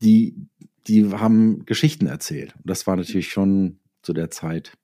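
A middle-aged man talks in a relaxed interview setting. His voice sits fairly low and is very mellow and dark. He reflects as he goes, often restarting a phrase to find the right word. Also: normal speed. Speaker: interview guest, novelist and former advertising copywriter.

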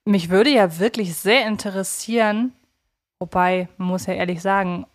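A woman's voice: mid-range voice, normal speed. A woman co-hosting a podcast, talking casually and analytically. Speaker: podcast co-host.

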